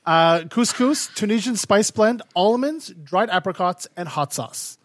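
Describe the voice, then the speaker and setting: A man's voice: high voice, animated, unhurried, no room sound, studio quality. A man co-hosting a podcast, running a quiz game in a playful, hyping way with many fillers. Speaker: podcast co-host, quiz master. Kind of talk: casual chat.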